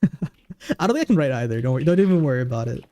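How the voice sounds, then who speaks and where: A man's voice: mid-range voice, sing-song, fast, dark tone. A man in his twenties chatting casually on a livestream, rambling with lots of fillers and restarts, goofy and easygoing. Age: 20s.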